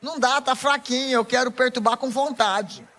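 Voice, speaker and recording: This is a Brazilian woman preaching with a very high voice. Her tone is playful and teasing, and she calls out to her women listeners directly. Her delivery sounds bright and forward. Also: fairly even intonation, moderate pace. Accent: Brazilian Portuguese. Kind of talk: lively sermon to a women's audience.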